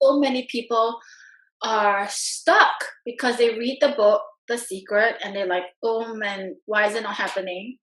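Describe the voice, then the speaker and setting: Speaking with a Singaporean accent, a woman uses a fairly high pitch with ordinary pitch variation. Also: fairly slow pace. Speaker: online show host. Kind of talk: interview host talk. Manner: upbeat.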